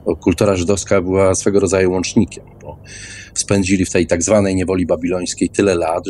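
A man's voice: low voice, warm tone, a little hiss or hum. A man in an informal, opinionated radio discussion, speaking emphatically and often repeating words. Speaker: guest in an online radio debate.

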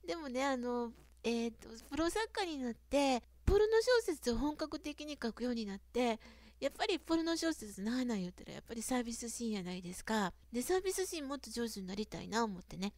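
High-pitched lady w kyoto accent, chatty writing lesson, dry close mic. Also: a little mellow, no echo. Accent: Kyoto Japanese. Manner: chatty, frequent dialect sentence endings. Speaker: novelist teaching writing. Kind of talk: casual lecture to camera.

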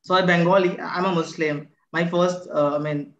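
Young Indian English man, questioner, lots of "uh", slightly high, muffled call. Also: fairly even intonation, normal speed, a bit bright, slight background noise. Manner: hesitant, frequent "uh". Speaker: participant asking questions. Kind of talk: question at an online discussion. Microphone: video call. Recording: echoey, muffled video call audio.

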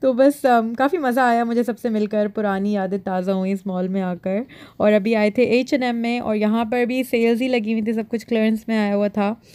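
Mom vlogger, thirties, from Pakistan, chatty and direct, recorded on a phone. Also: female voice, a little high, steady tone, moderate pace, warm tone, clear, resonant tone. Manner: chatty, addressing viewers directly. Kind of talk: casual vlog narration to camera. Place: indoor mall, then parked car.

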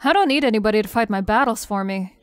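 Woman voicing a quick-talking, tough high school bad girl. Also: slight background noise, natural voice. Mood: dry, proud. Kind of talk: dubbed musical film dialogue.

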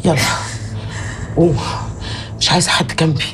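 Actress as a commanding middle-aged mother, harsh and unbending, with loud dramatic score under her. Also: low voice, normal speed, close to an everyday voice. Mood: stern. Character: stern grieving mother disowning her daughter. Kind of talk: TV drama acting. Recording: music score behind.

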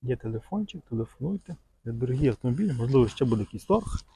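Guy walking a car lot outdoors, gravelly low-key voice, chatty and rambling. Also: animated, fast talker, warm tone, slight background noise, rough recording. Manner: chatty, fond of diminutives, loose and rambling. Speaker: vlogger showing cars for sale. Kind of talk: casual walk-around commentary.

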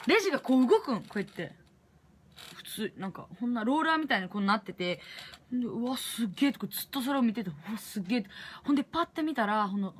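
A young woman with a Kansai accent tells a story in a casual vlog. Her voice swings widely in pitch as she acts out her own reactions. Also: slightly rough. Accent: Kansai Japanese. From Japan. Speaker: vlogger.

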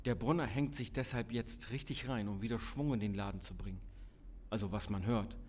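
A man's voice: fairly low pitch, brisk, darkish tone, slight background noise, close to an everyday voice. An actor playing a middle-aged policeman and worried father in an audio drama. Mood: conversational. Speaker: police officer in drug squad.

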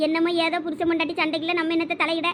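High-pitched, rapid-talking woman. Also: completely flat delivery, noisy background. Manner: pleading, emotional family-quarrel delivery. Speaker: skit performer voicing several village women. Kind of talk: village family comedy skit acting.

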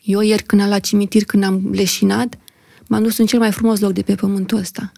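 Young woman with a gravelly voice telling a dramatic story. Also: medium pitch, little pitch movement, warm tone, no room sound. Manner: vivid, dramatic retelling, acting out what others said. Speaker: podcast guest. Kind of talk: emotional personal storytelling in conversation. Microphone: podcast studio microphone.

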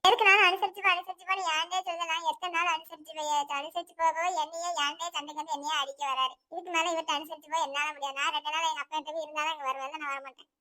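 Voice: very high voice, fairly even intonation, very fast, sharp tone, heavily acted. A performer voicing a tearful, put-upon young village wife in a cartoon, complaining in a Tirunelveli accent. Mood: plaintive. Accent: Tirunelveli Tamil. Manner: plaintive, complaining. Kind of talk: cartoon voice acting.

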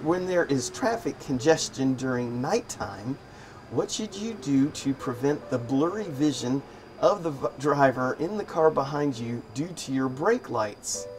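A man chatting in a relaxed, wry and amused way as he tells everyday stories for his vlog. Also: mid-range voice, measured pace, slight background noise. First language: English. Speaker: vlogger. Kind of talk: casual storytelling vlog. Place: living in Thailand.

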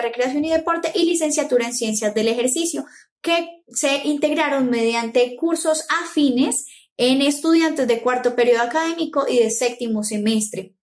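High-voiced young woman presenting formally. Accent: Colombian Spanish. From Colombia. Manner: measured, formal, enumerating steps. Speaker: teacher presenting a conference paper. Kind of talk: read academic presentation. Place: indoor room, talking to camera.

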